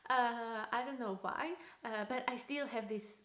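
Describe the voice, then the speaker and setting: A woman in her thirties speaks English with a strong Armenian accent. She talks casually to camera with plenty of fillers. Her voice sits a little high and bounces around an echoey room. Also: fairly even intonation, a little slow, a bit bright. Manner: chatty, many fillers. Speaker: vlogger. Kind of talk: casual vlog talk to camera.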